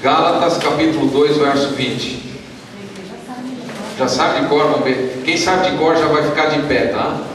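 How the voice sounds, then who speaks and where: A man's voice: fairly high pitch, steady tone, measured pace, distant mic, a crowd in the background. Man preaching in an echoey hall. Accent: Brazilian Portuguese. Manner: preaching with call-and-response, reading scripture aloud. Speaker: pastor. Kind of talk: sermon. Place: large hall at a youth retreat.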